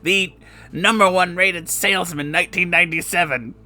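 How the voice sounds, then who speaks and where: A man's voice: high-pitched, fairly even intonation, normal speed, pushed and bright, faint music behind, pitched above the performer's own voice. A man voicing a short, evil, greedy salesman villain who announces like a boastful showman in a comic story.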